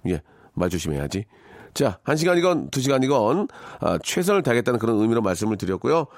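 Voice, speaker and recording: A man in his forties hosting a radio show, reading listener messages and chatting in a joking, animated way. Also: mid-range voice, quick pace, no room sound. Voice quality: animated, acts out voices in quotes. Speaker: radio host.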